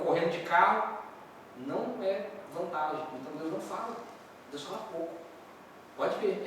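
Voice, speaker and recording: A man preaches a sermon in a voice pitched slightly high. He hammers his points home through repetition and rhetorical questions. His voice reaches the mic from far off across a very echoey church hall with a faint hiss underneath. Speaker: pastor.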